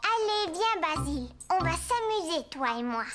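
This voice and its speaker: An actor voicing a curious, gentle four-year-old boy in a French children's cartoon. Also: very high voice, sing-song. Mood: eager, coaxing. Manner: childlike, slow and simple phrasing. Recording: loud children's music underneath.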